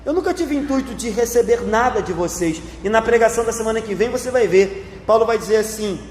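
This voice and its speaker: Man, pastor, emphatic sermon, higher voice, long hall reverb, faint hiss. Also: expressive, darkish tone. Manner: emphatic preaching, slowing down on repeated phrases. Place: church sanctuary. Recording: echoey church hall, faint background noise.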